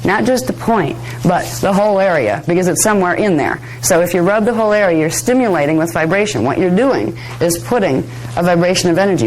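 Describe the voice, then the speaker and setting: A woman teaching a live workshop, slightly hoarse, explaining at length in a chatty way, with fillers and soft laughs. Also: on the low side, a little hiss or hum, rough recording. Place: workshop room. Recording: 1999 workshop video, faint music.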